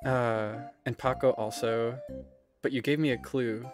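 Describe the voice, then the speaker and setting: Low-voiced playful woman streamer. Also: fairly even intonation, a little slow, music in the background. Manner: playful, laughs often, mimics voices. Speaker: streamer host. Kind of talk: casual game stream chat.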